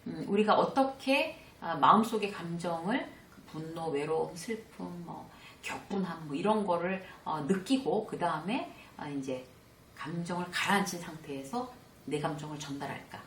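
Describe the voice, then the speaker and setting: Middle-aged woman lecturer, animated delivery with acted example dialogues, roomy distant recording. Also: on the low side, moderate pace, slight background noise. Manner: acts out short quoted dialogues, animated delivery. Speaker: workplace communication lecturer.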